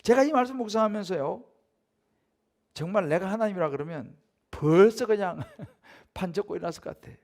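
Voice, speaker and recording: A man's voice: high-pitched, expressive, fairly quick, darkish tone. A middle-aged male pastor giving a Wednesday evening sermon in a church, talking conversationally, often asking the congregation to agree and acting out haggling voices. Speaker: senior pastor. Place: church sanctuary.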